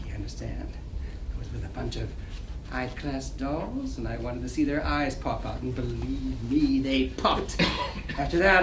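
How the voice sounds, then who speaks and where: A man's voice: on the high side, fairly bright tone. A man playing a brash, boastful 1920s New York gambler with slangy swagger in a staged play reading. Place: library reading room, public event. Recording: roomy, distant mic, noisy room.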